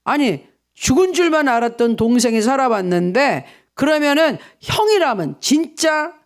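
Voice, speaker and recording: Korean pastor preaching with rhetorical questions. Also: male voice, extremely high pitch, sing-song, normal speed. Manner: rhetorical questions, acts out quoted voices. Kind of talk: early morning sermon.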